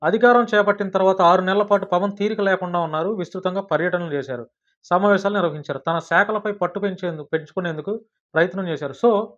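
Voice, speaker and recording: A man's voice: high-pitched, fast talker. A man with a Telugu accent presenting political news commentary, addressing viewers formally and with emphasis. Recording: dull, lo-fi sound.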